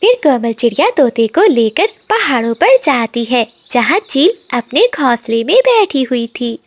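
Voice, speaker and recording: High-voiced woman narrating a cartoon. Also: big pitch swings. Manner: slow, moralizing storyteller. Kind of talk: scripted storybook narration.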